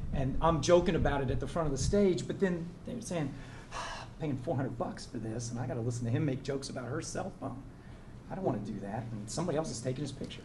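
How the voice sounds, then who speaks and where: A man's medium-pitched voice, very fast and with lively intonation, plus audible room echo. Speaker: university instructor. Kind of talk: panel discussion.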